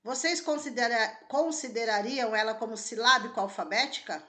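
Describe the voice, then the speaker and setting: Working through an exam question step by step, a woman teacher questions her class as she explains. Her voice is on the high side and pushed and bright, delivered at a moderate pace, in this exam-prep lesson.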